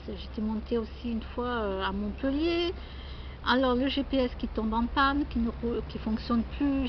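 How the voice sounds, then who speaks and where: A woman from France chatting casually and at length as a vlogger, exclamatory and self-deprecating, often repeating herself. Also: on the high side. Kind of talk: casual rambling chat. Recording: muffled lo-fi sound, loud background noise.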